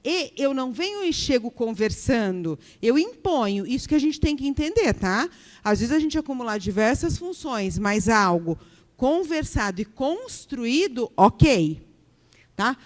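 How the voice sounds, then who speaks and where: A Brazilian woman with a bright, high voice leads a training session on workplace harassment. She talks straight to her audience, checking in often and acting out the remarks she warns against. Her voice rings with a long reverb from a large lecture hall. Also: sing-song, unhurried. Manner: keeps checking in with the audience, acts out example remarks.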